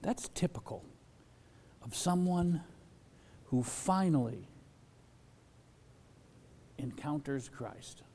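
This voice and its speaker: A man preaching from the pulpit with a lively, swooping delivery, and his voice rings out in a long hall echo. His tone is mellow and warm, and he slips into the voices of the people he quotes. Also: fairly high pitch, extremely slow, pauses often, slight background noise. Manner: animated, acts out quoted voices. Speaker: pastor. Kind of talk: sermon.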